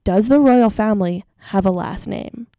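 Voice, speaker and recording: A woman's voice: medium pitch, moderate pace, mellow, no room sound, studio quality. A young woman from the Philadelphia area co-hosting a podcast, bluntly and playfully setting her friend straight. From Philadelphia area, USA. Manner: teasing, blunt, matter-of-fact. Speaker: podcast co-host. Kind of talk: casual chat.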